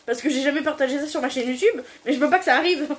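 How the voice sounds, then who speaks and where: A young woman with a southern French accent, a beauty vlogger, talks very fast in a high voice while doing a DIY hair treatment at home. The chat is casual, full of giggling and loose swearing, with slight background noise.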